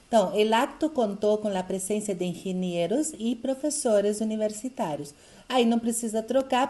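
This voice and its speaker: A woman leads a recorded review class, working through grammar exercises item by item. Her voice sits at an ordinary middle pitch. She explains each answer patiently and keeps checking in with short questions to the class. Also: mellow. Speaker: Spanish teacher. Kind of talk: recorded online review lesson.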